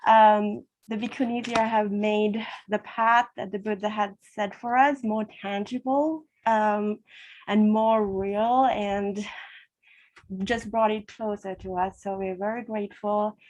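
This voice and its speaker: A woman from Sri Lanka speaks at a ceremony, thanking everyone with a voice of ordinary, middle height. She sounds moved and grateful, slipping in soft laughs between her words. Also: mid-range voice, steady tone, slow pace, lo-fi sound. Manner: emotional, laughing softly, grateful. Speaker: event co-sponsor. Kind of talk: heartfelt speech at a ceremony.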